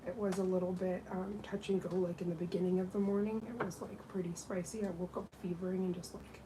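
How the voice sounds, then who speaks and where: A woman's voice: lowish voice, flat delivery, quick pace, background noise. A woman with a Canadian accent, chatting casually and bubbly while doing a client's nails. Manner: chatty, bubbly, laughs often. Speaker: nail technician. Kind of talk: casual chat while working.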